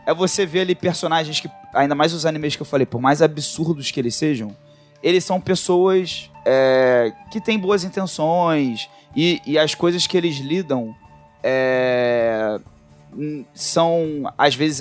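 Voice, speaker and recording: A Brazilian man with a fairly high voice talks casually as a podcast co-host. He rambles thoughtfully in slangy, halting bursts, and faint music plays behind him. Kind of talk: casual, reflective podcast chat.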